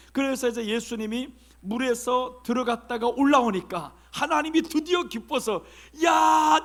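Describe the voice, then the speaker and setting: 교회에서 설교하는 남자 목사로, 크게 외치다가 낮고 조용하게 속삭이듯 말하기를 오가며 열정적으로 설교한다. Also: male voice. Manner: animated preaching, swings from loud exclamations to low hushed asides. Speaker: pastor. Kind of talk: sermon. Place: church sanctuary.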